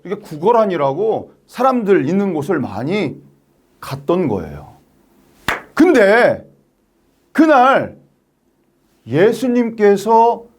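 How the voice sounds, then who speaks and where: Animated, high-voiced male preacher. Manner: animated storytelling, acting out scenes. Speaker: youth pastor. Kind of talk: sermon to teenagers. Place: church.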